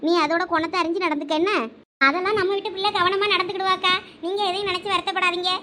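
A woman's voice: extremely high pitch, steady tone, fast, pushed and bright, slight background noise. A woman with a Thoothukudi Tamil accent performing village family comedy drama dialogue, chatty, scolding and coaxing.

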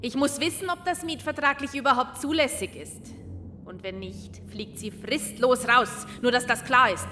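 A woman's voice: high-pitched, moderate pace, sharp tone, big-room sound, soft background music. A woman playing a stern, indignant landlady with a pompous, scolding manner in an audio drama. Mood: stern, demanding. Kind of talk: German amateur audio drama acting.

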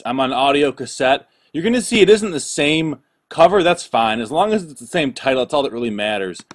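Man, young adult, American accent, higher pitch, casual tutorial talk, music underneath. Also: fairly bright tone. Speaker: online reselling vlogger. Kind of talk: casual instructional vlog talk. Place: indoor room stacked with boxes.

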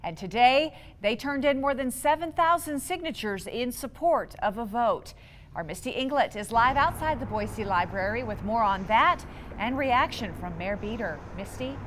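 Woman anchor, 40s, crisp studio intro, moderately high. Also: animated, normal speed, slight background noise. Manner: crisp, formal anchor delivery. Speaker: news anchor. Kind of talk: studio newscast. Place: TV news studio.

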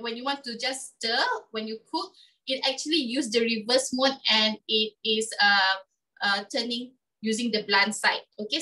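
Woman cooking demonstrator, high and bright voice, chatty, recorded from a distance. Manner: chatty, frequent "okay?" checks.

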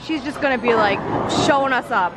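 A woman's voice: fairly high pitch, brisk, loud music behind the voice. A woman vlogging with a handheld camera, chatting playfully and narrating a bowling game as she plays. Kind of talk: casual vlog commentary. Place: busy bowling alley, indoors. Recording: loud crowded bowling alley noise. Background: loud crowd and alley noise.

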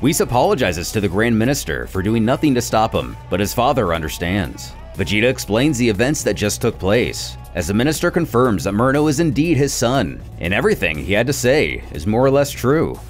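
Animated male story narrator over music. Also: fairly low pitch, fairly quick, few pauses. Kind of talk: dramatic scripted story recap narration.

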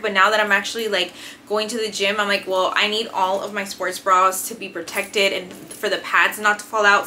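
Bright, chatty young woman vlogger. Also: mid-range voice, a little hiss or hum. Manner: chatty, enthusiastic, lots of "like" fillers. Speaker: fitness and beauty vlogger. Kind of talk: casual haul review to camera. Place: small decorated bedroom, indoors.

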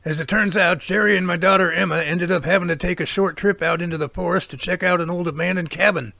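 A man's voice: high-pitched, fairly even intonation, quick pace, gravelly, bright, forceful tone, no echo, heavily acted. An actor playing a middle-aged father and Bigfoot researcher in a radio drama, wry and folksy. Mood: calm.

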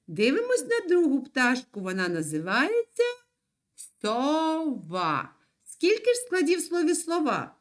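Повільна вчителька з мелодійним голосом. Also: female voice, on the high side. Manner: slow, sing-song, stretches syllables. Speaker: primary school teacher. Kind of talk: online lesson for young children.

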